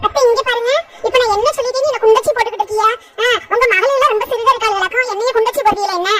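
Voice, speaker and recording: A defiant young village wife from a cartoon, voiced by an actor, high and bright in tone. She fires back at her mother-in-law with quick, indignant retorts in rural speech. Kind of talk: cartoon voice acting.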